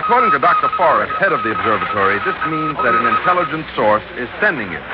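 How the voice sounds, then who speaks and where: An eager radio reporter. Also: male voice, fairly high pitch. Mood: urgent. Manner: urgent, animated announcing. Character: excitable male radio reporter on scene. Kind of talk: 1960s radio drama acting. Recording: muffled old radio recording with loud noise.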